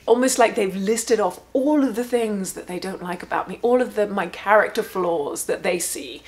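A woman who works as a therapist, talking candidly at home in a rambling, reflective way with sarcastic asides. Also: medium pitch. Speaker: therapist and channel host. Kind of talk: casual reflective monologue. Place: home room.

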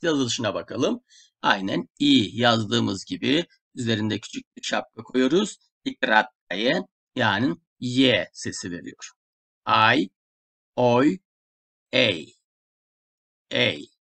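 Male teacher, unhurried and expressive, repeats each sound patiently for learners. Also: mid-range voice, gravelly, breathy edge. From Turkey. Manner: slow, careful drilling with repeated sounds. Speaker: Russian language teacher. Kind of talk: online language lesson.

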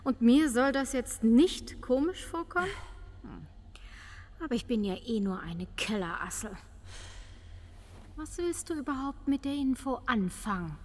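Slow-talking sardonic female pathologist. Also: on the high side, lively intonation, a little mellow, big-room sound. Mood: sardonic, suspicious. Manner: teasing, probing, deliberate. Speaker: actor in crime audio drama. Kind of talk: German crime audio drama acting.

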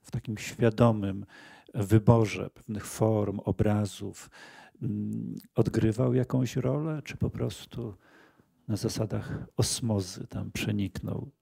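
A man moderating a literary meeting, asking questions slowly with many fillers and pauses. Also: on the low side, fairly even intonation, creaky, dark tone, husky, dry recording, studio quality. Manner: slow, halting, many fillers. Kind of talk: literary discussion.

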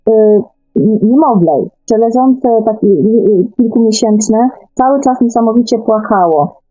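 A woman's voice: a little high, warm tone. A woman guest in a radio discussion, explaining her views conversationally and tentatively. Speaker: guest author. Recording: dull, band-limited remote connection.

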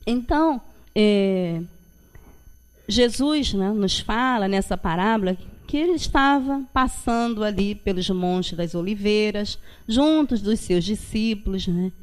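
A woman's voice: mid-range voice, measured pace, clean tone. A woman from Rio de giving an informal, reflective religious talk, often adding little checking tags. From Brazil. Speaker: guest lecturer at a Spiritist centre. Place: meeting hall with projection screen.

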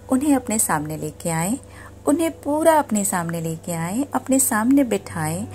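A woman guiding a meditation in a soothing, deliberate manner. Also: medium pitch, darkish tone. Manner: soothing, deliberate, repetitive instruction. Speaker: meditation guide. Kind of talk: guided meditation narration. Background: background music.

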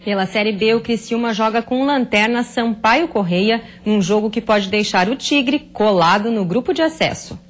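Female anchor, thirties, somewhat high voice, clean studio sound. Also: moderate pace, hardly any pauses. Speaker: news anchor. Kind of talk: studio news presenting. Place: tv news studio.

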